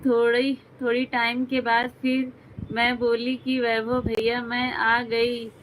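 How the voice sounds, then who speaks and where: A woman's voice: on the high side, completely flat delivery, slow, a little hiss or hum, poor audio. A woman from Uttar Pradesh hosting a live stream. She chats casually, greets viewers by name, answers their comments and laughs often. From Uttar Pradesh, India.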